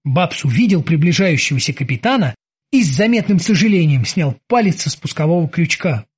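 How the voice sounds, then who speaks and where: A man with a husky voice reading an audiobook as an animated storyteller. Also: fairly high pitch, brisk. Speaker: narrator. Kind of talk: audiobook narration.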